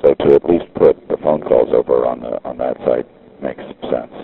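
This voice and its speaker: Through the narrow, tinny sound of a street payphone, a bass-voiced man rambles in a casual monologue while recording a phone message. His tone is steady, creaky and slightly rough, and he halts and restarts his sentences often.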